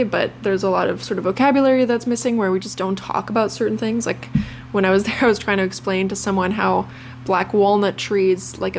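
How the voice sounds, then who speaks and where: A woman's voice: mid-range voice, slight background noise. A young woman from Lithuania, a native Lithuanian speaker, chatting casually to camera as a vlogger, with many fillers and restarts.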